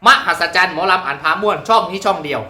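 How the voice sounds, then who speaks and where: A man's voice: high-pitched, quick pace, sharp tone, echoey room. A man from Nakhon Phanom with an Isan accent, a mor lam comedian and channel host, chatting playfully and teasing himself while he demonstrates regional dialects. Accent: Isan (Northeastern Thai). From Nakhon Phanom, Northeast Thailand.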